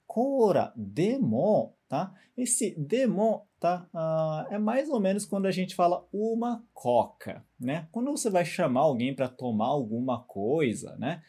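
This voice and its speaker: A man's voice: on the high side, sing-song, unhurried, few pauses, dark tone, husky. A man teaching a Japanese lesson, patiently repeating example sentences. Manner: patient, repeats phrases for the student.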